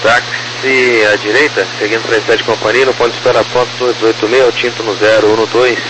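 A man's voice: medium pitch, little pitch movement, brisk. A Brazilian man working as an air traffic controller, giving formal, clipped procedural callouts over radio. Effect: radio transmission.

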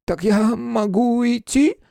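A man voicing an excitable, fervent male helper to a fortune-teller, who talks in shrill, pleading outbursts. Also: takes it slowly, vocal fry, dry recording, clean studio sound, exaggerated voice.

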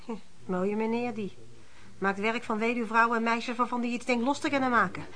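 A woman's voice: a little high, fairly even intonation, fairly quick, a bit bright, natural voice. An actress in a Dutch radio play playing a bitterly sarcastic, disapproving gossip of a woman. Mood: scornful. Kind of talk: Dutch radio drama acting.

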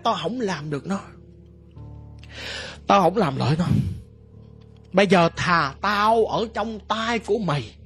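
A woman's voice: mid-range voice, natural voice. A woman voicing a skinless old father ghost. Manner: slow, hushed, grim warnings.

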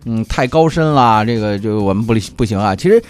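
A man hosting a radio talk show in relaxed, folksy chat, often restarting his sentences. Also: on the low side, brisk. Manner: conversational, hesitant restarts, folksy. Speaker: radio host.

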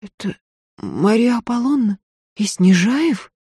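A narrator voicing a gentle young lady of good family who cries out in breathless alarm. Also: mid-range voice, slow pace, breathy edge, no room sound, studio quality, voice pushed up.

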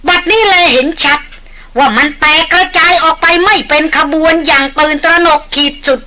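A woman's voice: high-pitched, sharp tone, a little hiss or hum, poor audio. A woman narrating a novel with dramatic, vivid delivery. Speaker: audiobook narrator. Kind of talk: novel reading.

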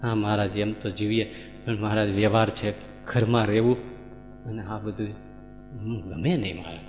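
A man's voice: lowish voice, fairly even intonation, moderate pace, voice pushed down, close to an everyday voice. A man voicing a grieving, devout woman who pleads humbly for her husband, in a sermon story. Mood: humble. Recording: echoey hall, dull sound, faint music.

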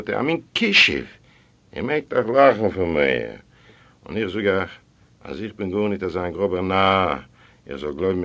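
A man reading a story aloud in the first person, expressive and swinging between hushed and loud passages. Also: sits low. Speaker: audiobook reader. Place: library recording room. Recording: dull lo-fi audio.

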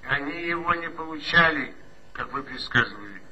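A dutiful police officer in a 1960s radio play, reporting briskly over the radio. His voice is very bright and tense. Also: fairly high pitch, expressive, husky, exaggerated voice, low-quality recording. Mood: concerned.

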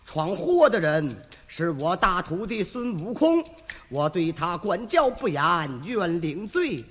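A storyteller playing Tang Monk, a gentle but stern master monk, in a slow solemn preaching manner, for a traditional storytelling performance. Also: medium pitch, sing-song, big-room sound, slight background noise, voice pushed down. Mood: solemn, scolding.

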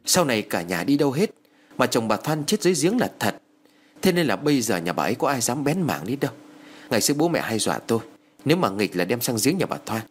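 A man's voice: mid-range voice, very animated, fast talker, natural voice. A man voicing a serious middle-aged village husband who explains things earnestly to his wife, with music behind. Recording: background music.

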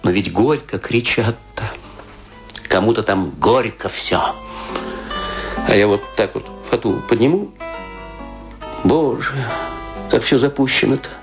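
A man's voice: lowish voice, lively intonation, measured pace, long pauses, soft background music. A man playing a tipsy, self-pitying middle-aged washed-up actor, rambling confessionally in a theatrical radio play monologue. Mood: comic lament. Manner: rambling confessional, swinging between lament and mock pride.

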